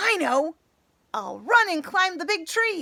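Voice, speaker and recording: Using a put-on character voice, a woman squeaks at an extremely high pitch. Her intonation is lively and her pace fairly slow. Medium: read story. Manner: earnest, apologetic.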